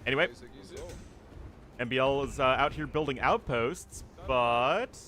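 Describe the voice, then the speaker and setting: A man's voice: mid-range voice, a little slow, bright, forceful tone, faint music behind. A man giving casual live commentary on a strategy game match while answering chat questions, chatty and thinking aloud. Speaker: streamer and caster.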